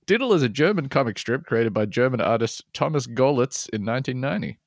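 A man with an animated, mid-pitched voice cohosts a comedy podcast. He reads letters aloud and breaks into wry jokes and laughter. The sound is dry and close to the mic. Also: brisk, gravelly, no room sound. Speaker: podcast co-host. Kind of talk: casual comedy chat, reading listener mail.

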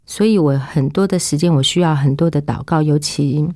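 A middle-aged woman telling her testimony in an interview, animated and acting out what people said. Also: low-pitched, fairly quick, dry recording, clean studio sound. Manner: lively, acts out quoted speech. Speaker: interview guest giving testimony. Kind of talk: animated storytelling.

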